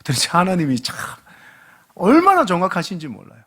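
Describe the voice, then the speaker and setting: Lively man in his late forties preaching. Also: high-pitched, a little fast, slightly rough. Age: late 40s. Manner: animated, humorous storytelling that acts out quoted dialogue. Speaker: guest pastor. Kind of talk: sermon.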